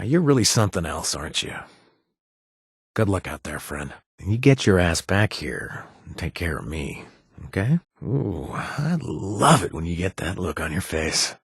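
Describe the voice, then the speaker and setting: A man's voice: deep voice, husky, no room sound, heavily acted. An actor playing a playful, flirtatious male companion in a video game, recorded dry in a studio.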